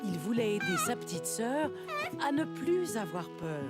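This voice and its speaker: A kindly female cartoon storyteller with a mid-range voice and lively intonation. She narrates a children's story in clear phrases, over loud music. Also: medium pitch, measured pace. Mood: kindly storytelling.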